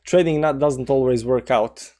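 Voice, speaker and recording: He's a Balkan-accented man casually commenting on crypto charts during a live stream, rambling along with plenty of fillers and restarts. He reads the chat aloud and answers it. His voice is mid-range and dark in tone, at a normal speed.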